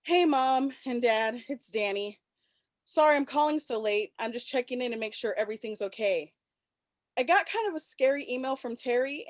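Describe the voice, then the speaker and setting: Woman playing an anxious young woman, higher voice. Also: close to an everyday voice. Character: anxious, caring young woman of twenty-five. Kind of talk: script read-through.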